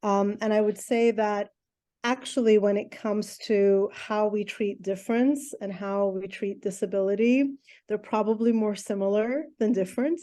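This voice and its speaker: A middle-aged woman from Iran talks through her answers in an interview. Her voice is mellow, and she pauses often with ums and restarts her sentences as she thinks. She speaks at a medium pitch. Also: steady tone. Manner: thoughtful, many ums and restarts. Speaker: guest, educational therapist.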